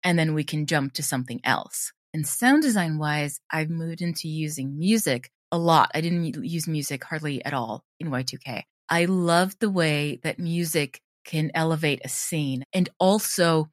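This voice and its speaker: A woman speaking as an interviewed audio drama creator, explaining her craft in a thoughtful, conversational way with many softeners. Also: sits low, normal speed, few pauses, no echo, studio quality.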